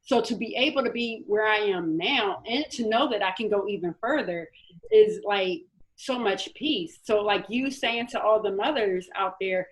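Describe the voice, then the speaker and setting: A woman's voice: mid-range voice, lively intonation, moderate pace, poor audio. An American woman hosting a casual motivational panel chat, emphatic and encouraging, repeating phrases for effect. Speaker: host.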